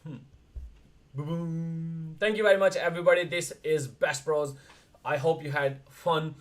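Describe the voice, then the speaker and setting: A young man from India chatting casually on a livestream, talking in quick bursts with frequent restarts. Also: fairly high pitch, steady tone. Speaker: streamer, wrestler co-host.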